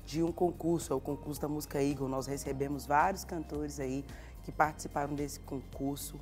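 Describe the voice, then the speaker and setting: A woman's voice: low-pitched, fairly even intonation, fairly quick, darkish tone, soft background music. A woman host with a Mineiro accent, interviewing with affirming, sermon-like encouragement. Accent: Mineiro Brazilian Portuguese. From Minas Gerais, Brazil. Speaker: TV show host.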